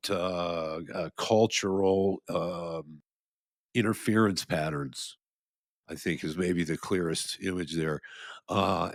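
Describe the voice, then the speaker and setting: A man's voice: low voice, fairly bright tone, dry recording, clean studio sound. A man co-hosting a podcast in casual philosophical chat, rambling with frequent restarts and chuckles. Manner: rambling, restarts often, laughs at own jokes. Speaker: podcast co-host.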